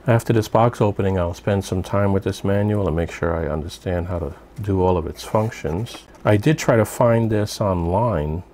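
A man's voice: deep voice, normal speed, hardly any pauses, a little mellow, slight background noise. A man giving casual unboxing commentary as a product reviewer, musing aloud to himself as he goes.

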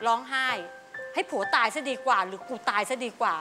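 A woman's voice: fairly high pitch, a little fast, over music. A woman on a talk-show panel, earnestly and passionately speaking of her own hardships. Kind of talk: emotional talk-show commentary.

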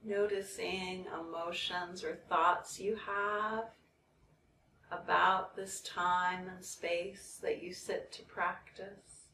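A woman leading a guided meditation in a soothing, measured way, leaving long pauses between phrases. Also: on the low side, bright, forceful tone. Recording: roomy, distant mic, background noise.

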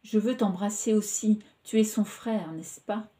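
A woman's voice: medium pitch, measured pace, mellow, lightly acted. A woman reading the part of an emotional young woman who pours out her affection in a pleading, impulsive way, in a storybook reading. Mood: pleading, tender.

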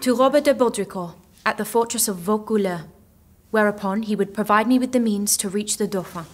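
A woman's voice: medium pitch, brisk, natural voice. An actress playing a devout, determined teenage peasant visionary in an audio drama, earnest and direct in her formal address.

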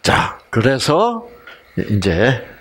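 A man's voice: medium pitch, huge pitch swings, drawn-out words, fairly bright tone. A middle-aged man giving a health lecture, asking his audience questions and joking with regional sayings.

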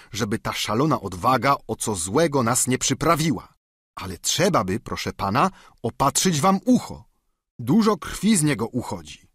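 A man's voice: medium pitch, a bit bright, breathy edge, no room sound, studio quality, voice pushed up. A man reading an audiobook, voicing an eager, plain-spoken peasant squire with a pleading manner.

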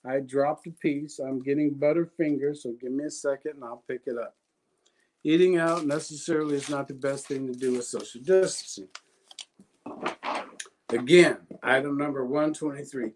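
A man presenting a live jewelry sale in a casual, jokey way, sleepy and yawning, calling out items with loud exclamations. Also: medium pitch, normal speed, a little hiss or hum. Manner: jokey, self-deprecating, announces items with exclamations. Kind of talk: casual live sales pitch.

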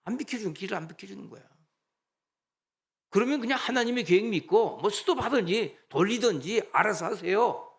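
Animated Korean pastor preaching. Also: male voice, high-pitched, fairly quick, vocal fry. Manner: animated, conversational preaching with rhetorical questions. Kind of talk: sermon. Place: church sanctuary.

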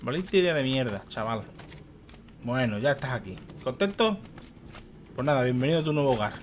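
A young man commentates a video game for his let's-play channel in an animated, slightly fast mid-range voice, sounding exasperated as he swears and mutters under his breath. A little hiss or hum can be heard.

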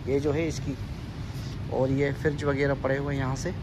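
A man's voice: medium pitch, little pitch movement, normal speed. A man walking through a supermarket with his phone, leisurely pointing out the goods and reading their prices. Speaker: vlogger. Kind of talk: walking store tour vlog. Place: large indoor supermarket. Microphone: handheld phone camera. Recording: noisy store ambience.

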